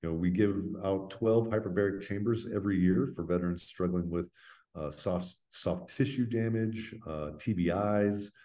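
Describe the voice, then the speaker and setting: A middle-aged American man with a low, mellow voice talks as a guest in an interview. He explains things in an earnest, plain-spoken way, conversationally, often tagging his points with a checking "right?". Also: moderate pace. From United States. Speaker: interview guest, veterans' foundation representative.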